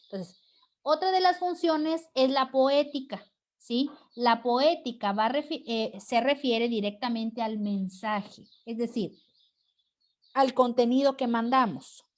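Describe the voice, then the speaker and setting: In this recorded online lecture, a Mexican woman teaches step by step at a slow pace, her pitch fairly high. She frequently checks on her students with "¿ok?" and "¿sí?".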